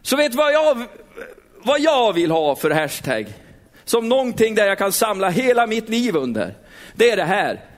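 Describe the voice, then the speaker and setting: A middle-aged man preaching a sermon in a church, lively, putting questions straight to the congregation. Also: high-pitched.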